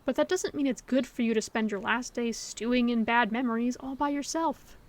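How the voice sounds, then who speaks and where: A woman acting a gentle, hopeful best friend in an audio roleplay, talking to the listener in an earnest, reassuring, conversational way. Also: fairly high pitch, brisk, close to an everyday voice. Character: gentle, hopeful female best friend comforting her secret crush. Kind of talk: scripted audio roleplay, intimate one-sided dialogue to the listener.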